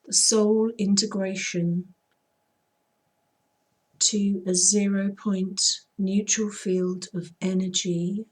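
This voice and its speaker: A woman with a husky, throaty voice, still hoarse from an illness. She speaks softly and slowly, and her pitch stays flat and level. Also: rough recording. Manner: soft, unhurried, intoning. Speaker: spiritual healer. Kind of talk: slow chanted healing invocation; casual chat to viewers.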